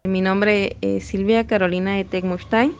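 A woman's voice: mid-range voice, fairly even intonation, measured pace, highs cut off. A woman from Guatemala with a Guatemalan accent, explaining her work making clay wind instruments in a thoughtful, explanatory way. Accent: Guatemalan Spanish. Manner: thoughtful, explanatory, with tag questions. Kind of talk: interview, explaining her craft.

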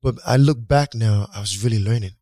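A man's voice: fairly low pitch, fairly quick, mellow, no echo. Laid-back Nigerian-born man in dry studio. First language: Yoruba. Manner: reflective, loose and rambling. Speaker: guest musician. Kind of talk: casual interview talk.

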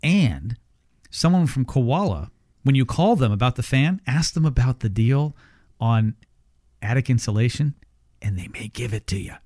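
A man's voice: medium pitch, animated, normal speed, mellow, dry recording. A man hosting a home-improvement radio show, teasing his guest and reading ads in a casual way. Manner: jokey, teasing banter. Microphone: studio microphone. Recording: dry studio sound.

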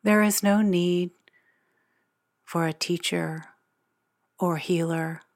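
Female meditation narrator, unhurried and measured, slightly low register, leaving long pauses between phrases. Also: fairly even intonation. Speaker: meditation guide.

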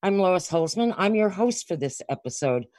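A woman's voice: fairly low pitch, big pitch swings, normal speed, a little mellow, no echo, clean studio sound. A woman hosting a podcast, introducing guests with an enthusiastic, welcoming manner. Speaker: podcast host.

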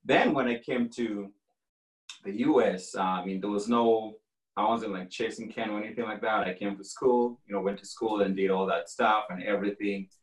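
A man in his forties, originally from Kenya, telling his story as a guest in a relaxed, rambling podcast conversation. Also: fairly low pitch, normal speed, echoey room, far from the mic, poor audio. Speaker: franchise owner guest.

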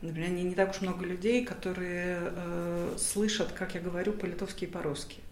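A woman's voice: lowish voice, a little mellow. A woman talking as an academic guest, thoughtful and hesitant, with many fillers and restarts. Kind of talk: reflective interview answers. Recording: roomy echo.

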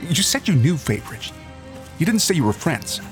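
Man acting a lively, cocky young adventurer. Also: fairly high pitch, normal speed. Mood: joking. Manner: glib, bantering. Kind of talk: audio drama acting. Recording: music under the voice.

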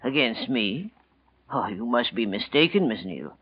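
An actor playing a meek, hesitant middle-aged office clerk who turns into a cold, menacing killer, in 1940s radio acting style. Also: male voice, medium pitch, big pitch swings, unhurried, husky. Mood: timid. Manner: timid and hesitant, then quietly menacing. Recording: lo-fi old radio broadcast.

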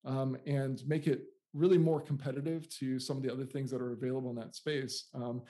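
An American man in his forties talks as a podcast guest with a mellow, relaxed tone. He rambles through his story, doubling words and restarting sentences as he goes. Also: medium pitch, brisk. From United States. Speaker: guest, software founder. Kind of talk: conversational interview storytelling.

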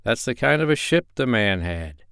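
A man's voice: mid-range voice, very animated, moderate pace, creaky, clean tone, no echo, clean studio sound. A man voicing a sensible, bossy dog in a storybook, talking curtly. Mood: impatient. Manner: curt, hushing.

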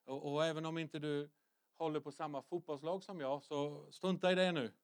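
A middle-aged man preaches in a loose, chatty way, repeating and restarting his phrases. His voice sits a little high for a man, and he sinks it to a quiet near-whisper when he wants a point to land. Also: steady tone, clear, resonant tone. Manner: conversational, repetitive restarts, drops to soft near-whisper for emphasis. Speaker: pastor. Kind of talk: sermon.

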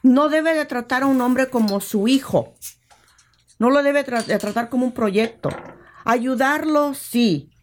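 A woman's voice: sits high, a little slow, a little hiss or hum. A woman co-hosting a casual chat, persistently asking questions. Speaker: podcast co-host.

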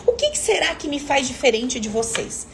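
A woman's voice: high voice, very animated, moderate pace, creaky, fairly bright tone, slight background noise. A woman coach giving a motivational live talk, emphatic and questioning her listeners directly.

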